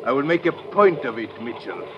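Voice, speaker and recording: An actor playing a suspicious, smug foreign police lieutenant with a formal, precise manner, in 1950s radio drama style. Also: male voice, mid-range voice, very animated, a little fast, highs cut off, over loud music, lightly acted. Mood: smug, insinuating. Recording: noisy old radio recording.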